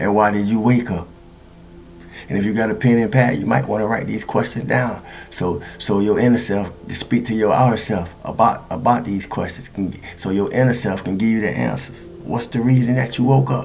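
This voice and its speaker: Against noticeable background noise and audible room echo, a man talks at medium pitch with ordinary pitch variation. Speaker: spiritual motivational speaker. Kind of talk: motivational monologue. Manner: fast; halting.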